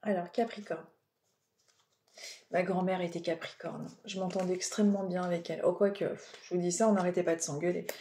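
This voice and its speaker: A woman's voice: fairly low pitch, fairly even intonation, fairly quick, warm tone. A woman with a French accent giving oracle card readings in a casual, rambling way, full of fillers and asides. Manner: chatty, rambling, digressive with many fillers. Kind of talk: casual spiritual guidance talk.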